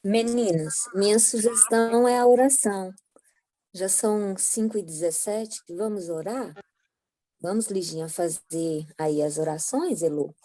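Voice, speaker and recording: A woman's voice: medium pitch, measured pace, mellow. A woman with a Brazilian accent speaking informally in a devotional meeting as a prayer leader. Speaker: prayer meeting participant leading prayer.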